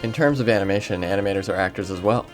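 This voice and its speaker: A man's voice: fairly low pitch, rapid-fire, music in the background. A man giving a scripted reading of quotations as a guest narrator. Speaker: quote reader.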